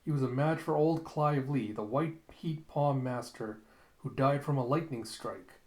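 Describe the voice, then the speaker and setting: A man's voice: medium pitch, a little slow, darkish tone, close to an everyday voice. A man acting a chatty bartender with a plain, deferential, conversational manner. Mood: admiring. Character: chatty bartender, admiring and apologetic.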